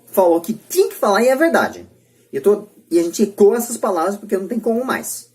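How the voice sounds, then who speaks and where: A woman's voice: medium pitch, expressive, a little fast, darkish tone. A Brazilian woman hosting a podcast debate, speaking in an emphatic, repetitive, opinionated way. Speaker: podcast host.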